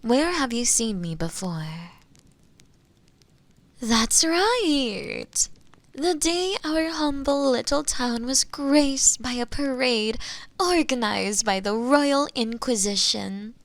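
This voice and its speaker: A woman playing an imprisoned witch in an audio roleplay, seductive, teasing and obsessive, sometimes hushed as she speaks to the listener. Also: fairly high pitch, animated, no echo. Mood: playful, obsessive. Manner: slow, teasing, hushed at times, with pet names. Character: imprisoned witch, seductive, obsessive yandere, bitter toward inquisitors.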